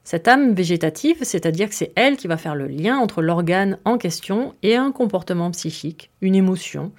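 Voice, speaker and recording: Her voice lowish and expressive at a normal speed, a woman runs a podcast and walks listeners through her subject. She keeps it friendly and conversational, using filler words and poking a little fun at herself.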